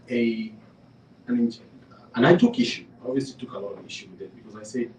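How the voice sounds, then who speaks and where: A man's voice: fairly low pitch, a little mellow, a little hiss or hum. A man from Kenya speaking on a panel discussion, telling a story in a conversational way with fillers and restarts, building to emphatic points. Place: panel event in a room. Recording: echoey room, speaker far from the mic.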